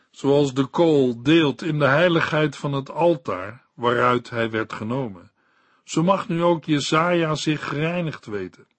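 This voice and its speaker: A man giving a scripted Bible commentary in a slow, measured reading voice. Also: fairly high pitch, no room sound.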